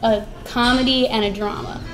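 A young woman talks casually as an interview guest, her voice sitting on the higher side. She chats in a loose, giggly way, full of likes and fillers. Faint music plays in the background. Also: fairly even intonation, moderate pace. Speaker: singer-songwriter and actor, guest.

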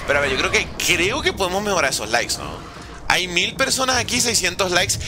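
A man's voice: high-pitched, big pitch swings, a little fast, noisy background. A man streaming live gameplay, commenting and joking playfully with chat while using Mexican slang. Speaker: gaming streamer.

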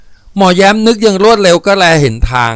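Male storybook narrator, steady and unhurried; slightly high, dry read. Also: no echo. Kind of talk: storybook reading.

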